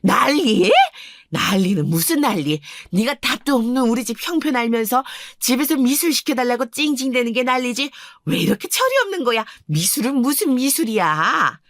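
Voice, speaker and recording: Brief: harsh old grandmother, shrill and scornful, raised pitch, dry close sound, put on by a woman. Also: expressive, moderate pace, a bit bright, dry recording. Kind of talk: radio story drama.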